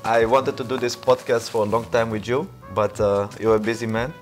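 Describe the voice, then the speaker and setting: A man hosts a casual podcast interview. He asks friendly questions, sometimes restarting a sentence. Faint music plays behind his mid-pitched voice. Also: steady tone, brisk. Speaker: podcast host.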